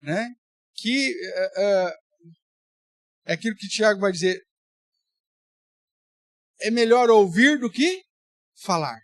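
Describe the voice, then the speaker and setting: A man's voice: high-pitched, expressive, slow pace, pauses often, no room sound, clean studio sound. A man, a pastor teaching a Bible study in a conversational way with playful exaggeration. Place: church.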